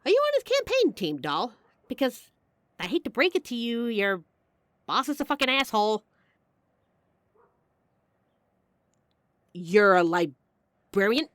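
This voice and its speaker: A woman's voice: on the high side, sing-song, normal speed, fairly bright tone, a little hiss or hum. A woman playing a brash, charming, apologetic mafia boss in an audio roleplay, with a wry, flirtatious and theatrical delivery. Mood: mocking. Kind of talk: audio roleplay acting addressed to the listener.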